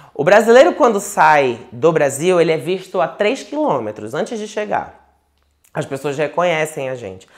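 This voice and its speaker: A man speaks at a moderate pace with vocal fry. His voice has very wide pitch swings and big swings in loudness. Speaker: tarot teacher. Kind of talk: live-stream lecture. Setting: live stream. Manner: hesitant, with many fillers.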